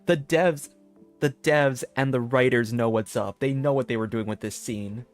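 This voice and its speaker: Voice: mid-range voice, moderate pace, faint music behind. A game streamer giving casual, candid livestream commentary and reactions.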